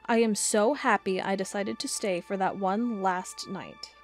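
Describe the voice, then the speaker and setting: A woman playing an earnest cryptid blogger, telling a first-person account in a measured storytelling way for an audio drama. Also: mid-range voice, steady tone, soft background music, lightly acted. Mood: awed. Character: earnest female cryptid blogger, awed amateur monster hunter.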